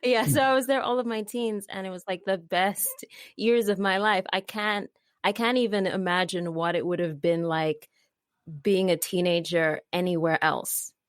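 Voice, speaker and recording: A woman's voice: medium pitch, steady tone, moderate pace, clear, resonant tone, no echo, clean studio sound. Chatty teenage girl podcast host. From Zimbabwe, raised in London and Beijing. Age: teens. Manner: chatty and upbeat, uses "like" a lot. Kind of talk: casual conversational interview.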